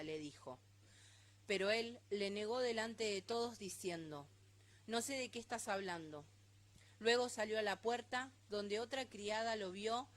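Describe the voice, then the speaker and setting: Woman, scripture reading, steady measured delivery, medium pitch. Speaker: scripture reader.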